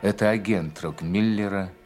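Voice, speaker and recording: A man narrating an audio drama in a measured, scene-setting manner. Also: sits low, a little mellow. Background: music.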